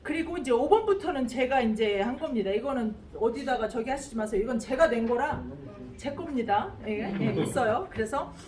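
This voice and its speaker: Higher-voiced woman teaching a lively class. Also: moderate pace, slight background noise. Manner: lively, models sounds and has the class repeat. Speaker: English pronunciation teacher. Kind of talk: classroom lecture with drills. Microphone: distant room mic. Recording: echoey classroom from far off, class audible.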